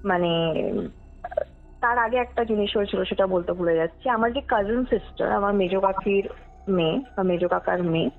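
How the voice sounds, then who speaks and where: A young West Bengal woman, speaking in a medium pitch at a moderate pace, relates a personal ghost story she insists is true on a podcast. She's conversational, sprinkling in English and confirming her listener follows, while the tinny phone-call audio carries music underneath.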